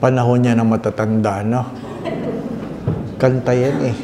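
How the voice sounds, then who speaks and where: A man's voice: medium pitch, level tone, normal speed, background noise. A man with a Filipino accent, a Catholic priest reading scripture and preaching, with cathedral echo around his voice in a large church. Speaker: Catholic priest giving homily. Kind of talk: liturgical reading and sermon. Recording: long cavernous church reverb.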